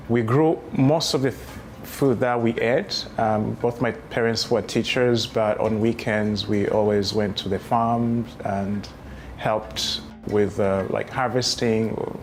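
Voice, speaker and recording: A man in his thirties from Rwanda, recounting his life story in a reflective, unhurried way with many fillers. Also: medium pitch. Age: 30s. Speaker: memoir writer telling his life story. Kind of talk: personal testimony. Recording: music playing underneath.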